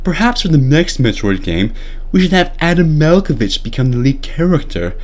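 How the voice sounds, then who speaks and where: A man's voice: on the high side, very animated, moderate pace. A young man voicing a self-satisfied, oblivious game director in a mocking, pompous dramatic reading. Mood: smug, defensive.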